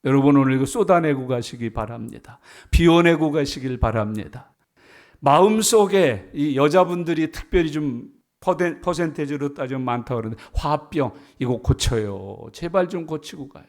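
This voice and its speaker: A man preaching a sermon in a church, animated, often acting out the people he quotes and swinging between loud and soft. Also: a little high, moderate pace. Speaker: pastor. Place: church sanctuary.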